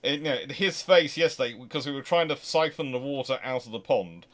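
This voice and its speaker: A man's voice: mid-range voice, expressive, a little fast, fairly bright tone. Chatty, digressive man. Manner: chatty, digressive, poses rhetorical questions. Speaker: host answering viewer questions. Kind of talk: casual live Q&A on naval history.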